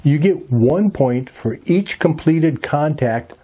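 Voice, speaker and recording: A man reading a scripted explainer in a measured, instructional manner. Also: fairly high pitch, lively intonation, mellow, husky. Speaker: presenter of an amateur radio tutorial.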